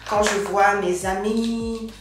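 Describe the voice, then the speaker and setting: A woman's voice: medium pitch, fairly even intonation, slow, music in the background. A young woman chatting casually to her viewers while doing her makeup, slangy and direct. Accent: French with English loanwords. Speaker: beauty vlogger. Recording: echoey room from a distant mic.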